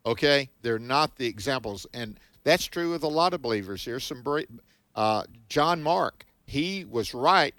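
Bright-voiced man hosting Christian radio. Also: a little high, no room sound. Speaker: radio call-in co-host. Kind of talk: evangelical call-in talk, exhorting.

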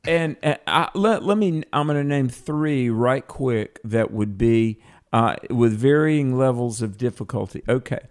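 Male evangelical radio co-host, medium-pitched voice, call-in talk. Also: a little slow. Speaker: radio co-host, Christian author.

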